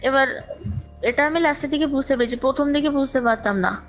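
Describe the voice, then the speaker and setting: Woman, highish voice, chatty storytelling w repeats, muffled call audio, bit of music behind. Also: fairly quick. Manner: talkative, repeats phrases for emphasis, mixes in English words. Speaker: guest recounting own ghost experience. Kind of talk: conversational personal storytelling. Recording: dull lo-fi call recording, music underneath.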